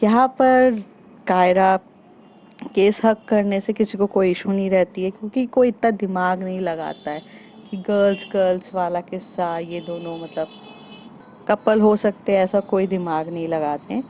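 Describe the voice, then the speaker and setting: A woman's voice: medium pitch, normal speed, mellow, a little hiss or hum. A woman telling a serialized story in a casual, chatty way, speaking directly to her listeners as friends, on a dull lo-fi recording.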